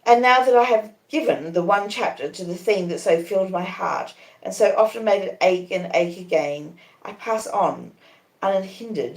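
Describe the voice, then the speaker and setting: Low-pitched Australian woman reading aloud, echoey room. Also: darkish tone. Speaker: reader, comedian. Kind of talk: live audiobook-style literary narration. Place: conservatory in a small cottage.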